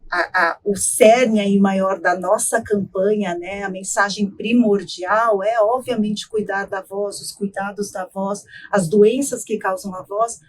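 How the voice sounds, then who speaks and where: Woman doctor explaining in a measured tone. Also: mid-range voice, steady tone. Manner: measured, explanatory, frequent tag questions. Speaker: ENT doctor, guest expert. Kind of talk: explanatory interview talk.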